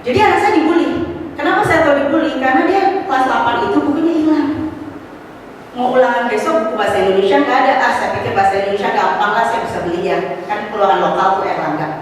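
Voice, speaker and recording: A middle-aged woman shares a personal testimony in a church hall, her storytelling animated and peppered with casual asides. Her voice sits a little high and carries a slight cough. She sounds distant from the mic, with long reverb and a faint hum of room ambience. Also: fast talker. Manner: animated storytelling, rising to exclamations; mixes in casual slang and english words. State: has a cough. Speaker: testimony speaker at a church fellowship. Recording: echoey hall, voice from far off.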